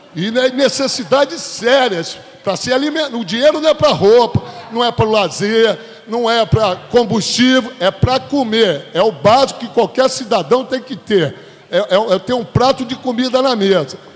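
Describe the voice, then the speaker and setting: Over noticeable background noise, a man talks at a moderate pace in an animated tone, his extremely high pitch showing ordinary pitch variation. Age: 60s. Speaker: city councillor. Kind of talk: plenary speech. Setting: city council chamber.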